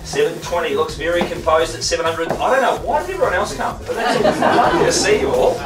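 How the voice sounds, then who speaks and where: A middle-aged man with a New Zealand accent calling bids at a live property auction, with quick joking banter and rhythmic patter. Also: a little high, expressive, loud music behind the voice, over a noisy crowd. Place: crowded living room of a house for sale. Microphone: far camera, no mic. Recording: echoey room, voice from far off.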